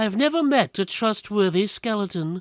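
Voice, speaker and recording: A man's put-on character voice, high-pitched with lively intonation at a moderate pace, in a dry, close sound with no echo. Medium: read story. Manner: curt, suspicious.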